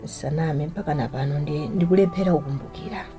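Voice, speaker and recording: An actress as a weary, confused young Malawian woman in a radio drama. Her tone is mellow and her speech halting and unsure, with faint music behind it. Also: sits low, close to an everyday voice. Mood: troubled, hesitant. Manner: hesitant, halting. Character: confused, weary young woman struggling to remember the night before. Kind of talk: vernacular radio drama acting.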